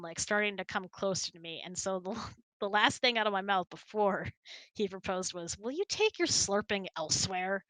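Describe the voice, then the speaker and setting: A woman telling personal stories in a casual, expressive way, giggling easily as she hosts a hangout. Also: mid-range voice, dry recording, poor audio. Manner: giggly, expressive, animated storyteller. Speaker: host of an audio hangout. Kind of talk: casual storytelling chat.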